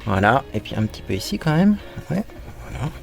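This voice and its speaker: A man's voice: medium pitch, big pitch swings, brisk, vocal fry, faint music behind. A man hosting a casual makeup tutorial, chatting playfully to viewers while he applies his makeup and dropping in little sound words.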